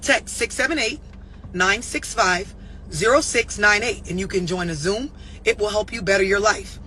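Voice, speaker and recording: A man putting on his formal, careful-speaking voice to read out contact details slowly and politely. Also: sits high, pushed and bright, slight background noise, poor audio. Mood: prim. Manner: slow, careful, formal delivery. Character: prim, proper-speaking man, polite and measured.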